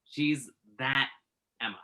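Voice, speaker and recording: A man's voice: medium pitch, slow, sharp tone. A man playing an exasperated, principled young journalist in a staged play reading, protesting with wry sarcasm in natural dialogue. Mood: sheepish.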